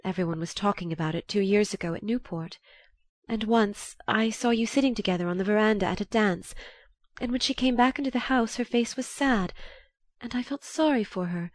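A woman voicing a composed, dignified young society woman who speaks softly and earnestly. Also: mid-range voice, a little fast, no echo, studio quality, voice pushed up, lightly acted.

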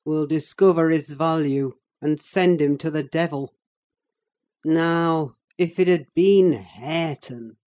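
A woman reads as a bitter, scornful middle-aged man in a storybook recording, his voice gruff, dark and mellow, with a rougher timbre than the narration. He speaks with open contempt, and the pitch sits lower than the reader's own voice. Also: muffled recording. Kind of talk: audiobook character voice.

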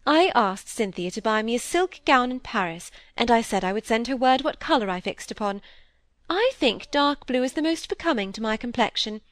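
A woman's voice: on the high side, animated, moderate pace, no room sound, close to an everyday voice. A woman reading aloud, voicing a prim, fussy middle-aged stepmother who scolds in an affected, snobbish way. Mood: airy.

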